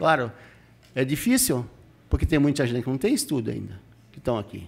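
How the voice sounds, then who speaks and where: A man speaks at a fairly quick pace. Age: 60s. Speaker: city councillor. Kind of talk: council floor speech. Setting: council chamber. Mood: earnest, emotional appeal. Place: hall. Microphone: podium.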